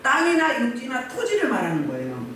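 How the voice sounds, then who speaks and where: A woman's voice: high-pitched, wildly swooping pitch, fairly quick, fairly bright tone, slight background noise. A woman pastor preaching a sermon, firing emphatic rhetorical questions at her congregation. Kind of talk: sermon at a healing service. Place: church hall. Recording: very echoey hall, mic at a distance.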